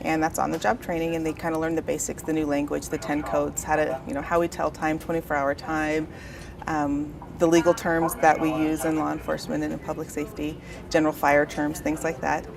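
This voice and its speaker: A woman with a fairly low voice and heavy creak talks as a dispatcher being interviewed. She explains things conversationally. Other voices are clearly audible in the background. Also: level tone, brisk. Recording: busy chatter behind the voice.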